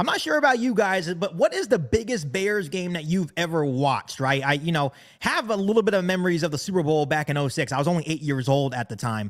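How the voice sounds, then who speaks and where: A man with an American accent and a high pitch talks at a very fast pace with hardly any pauses, lively intonation and an animated tone, on a very clean recording with a silent background. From California. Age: 20s. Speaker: sports podcaster. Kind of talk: live game commentary stream. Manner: casual, animated.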